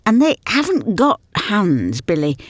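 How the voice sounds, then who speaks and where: A woman's voice: mid-range voice, wildly swooping pitch, a little slow, no echo, clean studio sound, pitched above the performer's own voice. A woman voicing a kindly, patient but easily flustered old Yorkshire grandma in a comic story, fussily explaining and correcting herself. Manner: fussy, explanatory, self-correcting.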